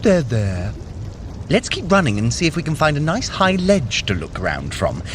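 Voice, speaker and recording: An actor playing a sarcastic, theatrical trickster god in an audio adventure drama. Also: male voice, on the high side, wildly swooping pitch, moderate pace, a little hiss or hum. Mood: teasing. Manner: sardonic, theatrical. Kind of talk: audio drama acting for a running app.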